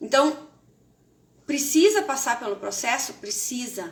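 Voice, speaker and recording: The speaker is a woman. Room echo can be heard around her voice. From southern Brazil (Rio Grande do Sul). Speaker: therapist and productivity coach for mothers. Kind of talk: live stream motivational talk. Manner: animated.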